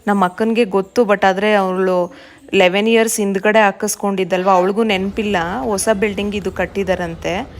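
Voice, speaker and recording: A woman's voice: medium pitch, steady tone, moderate pace. A young woman, a new mother chatting through a casual vlog and mixing English words into her talk. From India.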